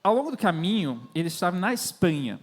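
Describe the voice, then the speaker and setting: High-voiced young man preaching in echoey hall. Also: very animated, fast talker. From born and raised in France, Irish parents. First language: not native in Portuguese. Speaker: missionary, guest preacher. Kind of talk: sermon to a congregation, with storytelling. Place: large church hall, speaking to audience. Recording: echoey hall with long reverb.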